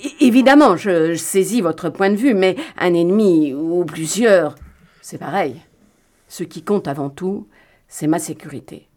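A woman reading the part of a rich, wary American businessman with a soft, slightly nasal and persuasive voice. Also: on the low side, a little slow, lightly acted. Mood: insistent. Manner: persuasive, insistent.

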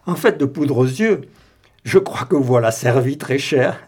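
A man's voice: medium pitch, expressive, measured pace, darkish tone, slightly rough. A man voicing a fussy, precise Belgian detective in an audiobook, with a prim, finicky manner. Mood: rueful.

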